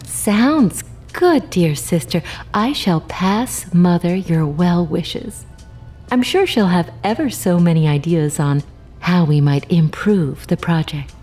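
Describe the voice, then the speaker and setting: A woman's voice: fairly low pitch, expressive, slow pace, mellow. A woman playing a haughty, silky supernatural envoy in an audio drama, with a theatrical, arch, drawling manner. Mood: arch politeness. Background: music.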